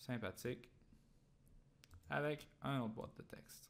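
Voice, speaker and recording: A man talks with lively intonation in a Quebec accent. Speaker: web marketing consultant. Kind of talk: software tutorial screencast.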